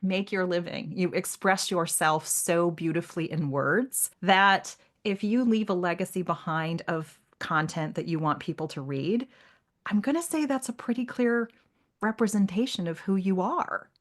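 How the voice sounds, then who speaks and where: Woman co-host with a lower voice. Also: moderate pace. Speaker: podcast co-host. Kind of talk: reflective literary discussion.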